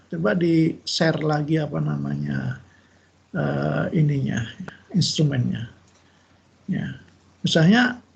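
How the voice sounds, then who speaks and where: A man lecturing over a video call in a gravelly, somewhat husky voice that sits a bit high for a man. He gives relaxed, chatty feedback to his students, full of fillers and tag questions. The sound is dull and lo-fi. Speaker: university lecturer. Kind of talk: giving feedback in an online class.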